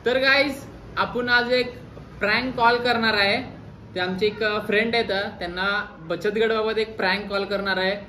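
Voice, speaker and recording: Chatting casually for a vlog, someone from Solapur in Maharashtra, India persistently plays a falsely earnest caller in a phone prank. Their voice is medium-pitched, bright and forceful, with fairly even intonation at a moderate pace, recorded amid clear ambient noise.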